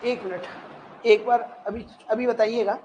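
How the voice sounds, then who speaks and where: On a lo-fi recording with background noise, a man whose voice sits high runs a live online exam-prep session from his own mic. His tone is steady and his pace a little slow, and he repeats himself while checking in with listeners often.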